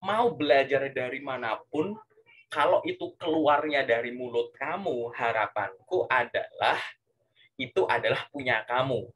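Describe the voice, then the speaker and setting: A man giving casual career coaching, animated and full of rhetorical questions and filler tags. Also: mid-range voice, unhurried, husky.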